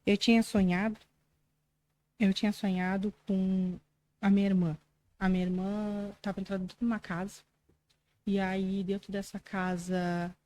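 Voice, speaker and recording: A Brazilian woman tells her faith testimony as a podcast guest, her voice warm and mellow with a middle pitch. She speaks earnestly and conversationally, often tagging her phrases and acting out the dialogue she recounts. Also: low-quality recording. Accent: Brazilian Portuguese. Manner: earnest storytelling, frequent "né" tags, acts out quoted dialogue. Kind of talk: religious testimony in casual conversation.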